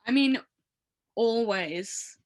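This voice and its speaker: A woman in her thirties with an English accent and a low, smoky voice, talking casually and animatedly as an interview guest, laughing often and filling with "like". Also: extremely slow. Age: 30s. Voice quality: low voice from years of smoking. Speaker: musician guest.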